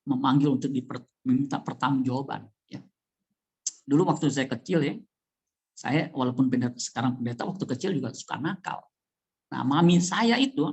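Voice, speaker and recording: Male pastor, conversational sermon in church, animated delivery that leans on sudden rises in pitch. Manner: animated, with wide swings of pitch and loudness; conversational, addressing the congregation directly.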